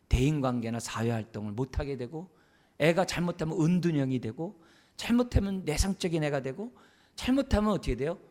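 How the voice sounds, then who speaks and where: A man's voice: fairly high pitch, a little mellow. A man preaching as a pastor at a church service, often putting rhetorical questions to the congregation. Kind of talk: sermon on parenting.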